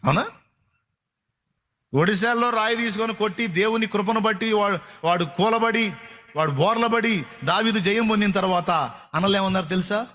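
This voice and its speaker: A man's voice: sits high, moderate pace, long pauses, fairly bright tone. A male pastor preaching a sermon in a colloquial, repetitive style, firing rhetorical questions at his congregation.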